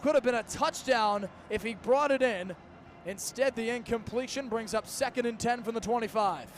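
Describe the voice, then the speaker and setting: High-pitched young American man calling football. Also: normal speed, a little hiss or hum. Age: early 20s. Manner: vivid, energetic narration of live action. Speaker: play-by-play announcer. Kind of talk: live American football radio commentary.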